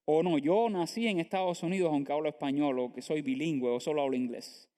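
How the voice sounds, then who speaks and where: A man's voice: on the high side, a little fast, warm tone. A man preaching a sermon to a congregation as pastor, earnest and full of rhetorical questions. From Latin America. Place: church sanctuary.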